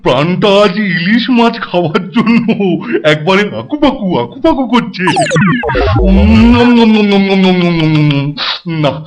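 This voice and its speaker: A man voicing an excitable, greedy middle-aged hostel superintendent in a Bengali cartoon, babbling and repeating words, with a West Bengal accent. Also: sits high, takes it slowly, a crowd in the background. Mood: craving, gleeful. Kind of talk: exaggerated Bengali cartoon voice acting.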